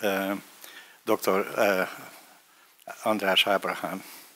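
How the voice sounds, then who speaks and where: A man with a Hungarian accent, with noticeable background noise. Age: 70s. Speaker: award presenter at a gala. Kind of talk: award introduction speech. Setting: gala event with audience. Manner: halting, many fillers.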